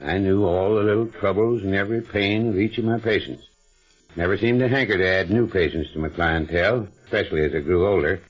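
Folksy old country doc, low husky voice, soothing but pushy, vintage radio drama. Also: male voice, steady tone, fairly quick. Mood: genial, reminiscing. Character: genial but evasive old retired country doctor. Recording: muffled vintage radio recording with music behind.

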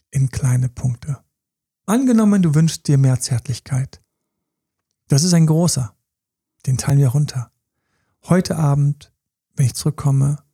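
A man's voice: fairly high pitch, creaky, husky, no echo, studio quality. A man co-hosting a podcast, giving casual, slangy relationship advice and acting out small quoted scenes. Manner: animated, acts out little quoted scenes; colloquial, slangy. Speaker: podcast co-host. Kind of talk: casual coaching talk.

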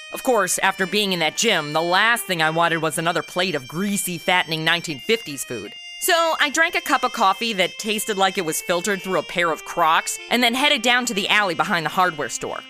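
A woman's voice: mid-range voice, sharp tone. A woman playing a flippant modern twenty-something amateur detective in a comedy audio drama, sarcastic and breezy. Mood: wry narration. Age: 20s. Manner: sarcastic, breezy, easily sidetracked. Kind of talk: comedy audio drama, wisecracking first-person narration.

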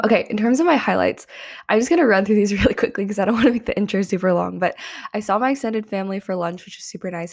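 A woman's voice: lowish voice, gravelly. A young adult woman hosting her own podcast, talking casually with frequent ums, her voice slightly strained. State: slightly strained voice after karaoke. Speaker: podcast host. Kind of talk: solo podcast monologue.

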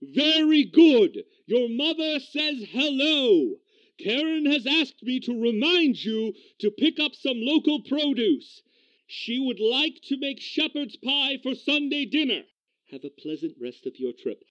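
A man playing a stiffly formal, deadpan uncle speaking over the phone. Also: very high voice, a little slow, no room sound, dull audio, heavily acted.

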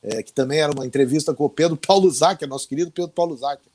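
A man's voice: a little high, rapid-fire. A middle-aged man from Rio do Sul, a veteran sports reporter telling stories as a guest and acting out the voices he quotes. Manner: animated anecdotal storyteller who acts out quoted voices. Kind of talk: casual storytelling interview.

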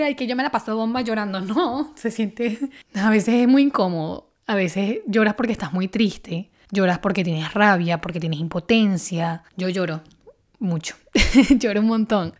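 A young woman, talking earnestly and conversationally to her viewers in a casual self-help video. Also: mid-range voice. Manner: earnest, conversational, laughs softly between points. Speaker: video host.

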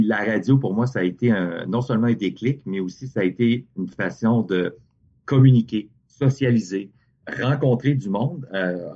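Husky man, muffled sound. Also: lowish voice. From Hearst, Ontario. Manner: relaxed storytelling, frequent restarts. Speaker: guest, radio music director. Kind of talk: casual podcast conversation.

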